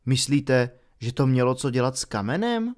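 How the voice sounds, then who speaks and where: A man's voice: mid-range voice, big pitch swings, natural voice. A man voicing a bossy, studious schoolgirl who frets about exams, in an insistent, exasperated manner. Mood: musing.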